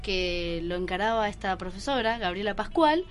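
A woman with a Buenos Aires accent explaining things in a casual radio interview, haltingly and checking that she is followed. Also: medium pitch, expressive. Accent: Buenos Aires Argentine. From Argentina, Buenos Aires province. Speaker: guest, clown theatre performer. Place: radio studio. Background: music.

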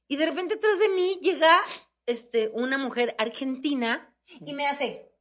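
A Mexican woman in casual chat, telling a story in an animated way and acting out the voices of people in it. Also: high voice, measured pace.

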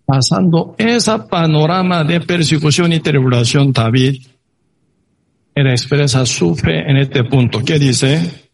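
A man preaching a sermon that retells a Bible story, halting and peppered with tag questions. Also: on the high side, gravelly.

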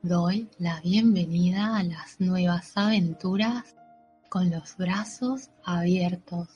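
Slow, mellow woman guiding a meditation. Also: fairly low pitch. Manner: soothing, unhurried, gently paced with pauses. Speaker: guided meditation narrator. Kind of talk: slow guided meditation with affirmations. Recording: dull lo-fi audio with soft music. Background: soft background music.

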